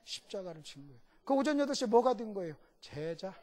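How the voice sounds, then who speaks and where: A middle-aged man preaching as a guest pastor, swinging from shouted lines to hushed asides and acting out voices as he questions the congregation. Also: high voice, sing-song, fairly quick. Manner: acts out quoted voices, asks the congregation questions. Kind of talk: sermon.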